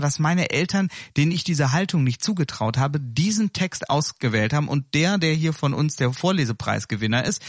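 A man moderating a casual discussion, relaxed, chatty and self-deprecating. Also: on the high side, no echo, clean studio sound. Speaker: podcast host and moderator.

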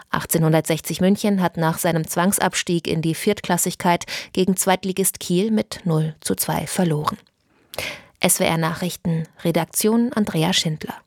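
Woman reading radio news, low-pitched. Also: dry recording, clean studio sound. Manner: measured, even delivery. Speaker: newsreader. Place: radio studio. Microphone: studio microphone.

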